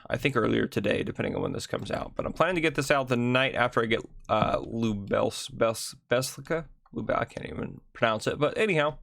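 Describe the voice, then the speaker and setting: Gravelly-voiced man giving a casual game tour. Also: medium pitch, fairly bright tone, dry recording, clean studio sound. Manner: chatty, thinks aloud with ums and quick asides. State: gravelly morning voice. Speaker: gaming channel host.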